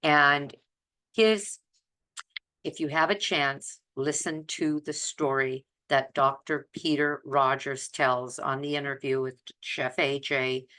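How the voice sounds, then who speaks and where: A woman's voice: extremely low pitch, fairly even intonation, slow pace, pushed and bright. A woman speaking informally and earnestly as a health vlogger, giving emphatic commentary. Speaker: health vlogger advocating plant-based eating. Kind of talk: informal commentary on listed quotes.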